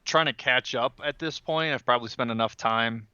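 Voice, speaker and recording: A man's voice: medium pitch, moderate pace, sharp tone, clean tone, no echo, highs cut off. A man talking casually as a player in a tabletop game, describing what his character does.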